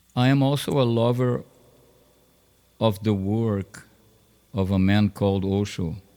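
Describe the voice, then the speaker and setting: With a Brazilian Portuguese accent, a man speaks at a fairly slow pace with long, frequent pauses, his voice fairly low and dark, mellow in tone, his loudness very even and his pitch variation ordinary. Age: old. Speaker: internet radio host. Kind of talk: casual monologue. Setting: live stream. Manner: halting.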